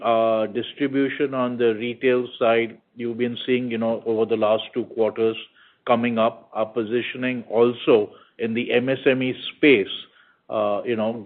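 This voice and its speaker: A man with an Indian accent giving measured corporate commentary on an earnings call, often saying "you know". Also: medium pitch. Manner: measured corporate speech with frequent 'you know'. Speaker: bank executive. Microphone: conference call line. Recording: narrow tinny phone line.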